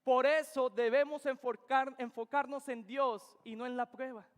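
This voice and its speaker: A man's voice: very high-pitched, steady tone, normal speed. A young man from Venezuela, preaching an earnest, emphatic sermon that repeats key phrases. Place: church sanctuary. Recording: reverberant church hall.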